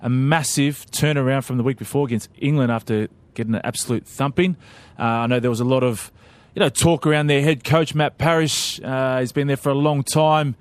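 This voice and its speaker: A man co-hosting a casual sports chat, relaxed and full of fillers. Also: mid-range voice, fairly quick, no echo. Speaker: co-host.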